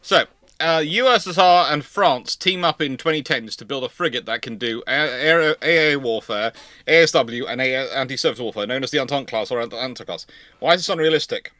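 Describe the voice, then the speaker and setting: Male livestream host, bright dry sound, casual and chatty while answering viewer questions. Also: mid-range voice, fairly quick, no room sound. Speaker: host of a live naval history Q&A stream.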